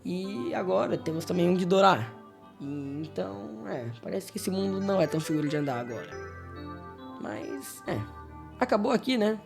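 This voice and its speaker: A YouTube host with a Brazilian accent narrates horror series recaps in a casual scripted style with informal, wry asides. His high voice is expressive and gravelly at normal speed, heard over music.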